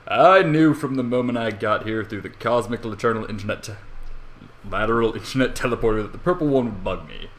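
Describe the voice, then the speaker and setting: A man's voice: lowish voice, fairly quick, a bit bright, slight background noise. A young man reading fan fiction casually as an amateur narrator, with rambling, self-deprecating asides and swearing. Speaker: amateur story reader. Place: bedroom at home.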